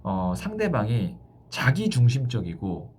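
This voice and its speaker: A man speaking as a tarot fortune teller, explaining a love reading to a client with thoughtful pauses. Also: medium pitch, huge pitch swings, darkish tone, a little hiss or hum.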